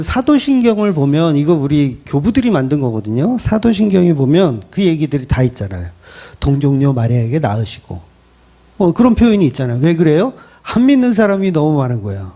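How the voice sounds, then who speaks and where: A middle-aged male pastor delivers an expository sermon conversationally, posing rhetorical questions as he goes. His voice is high, warm and mellow, and it moves around a lot in pitch.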